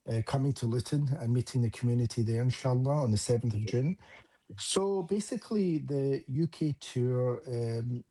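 A Scottish relationship coach, appearing as an interview guest, talks earnestly and at length, explaining things with many fillers. His medium-pitched voice is mellow and husky, and the recording is rough.

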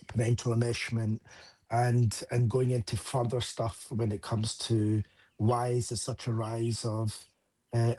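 A man's voice: mid-range voice, dark tone, husky. A man with a Scottish accent, a relationship coach talking earnestly at length as an interview guest. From Scotland. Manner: earnest, explanatory, frequent fillers.

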